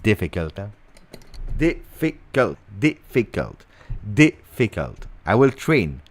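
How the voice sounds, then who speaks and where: A man's voice: on the low side, sing-song, takes it slowly. A man hosting a casual football livestream, playful and chatty, who keeps stopping and repeating words. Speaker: football channel host.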